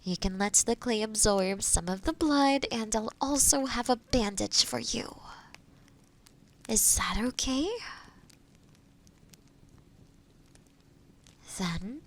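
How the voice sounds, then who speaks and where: A woman playing a kind, gentle forest witch in a roleplay audio, explaining potion work softly and caringly to the listener. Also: on the high side, measured pace. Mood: reassuring. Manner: soft, caring, hesitant, explaining patiently.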